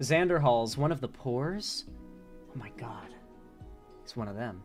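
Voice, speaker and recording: Clear music plays behind a man doing a breathy, put-on character voice at a medium pitch. He moves at a moderate pace with lively intonation. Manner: snobby, mocking.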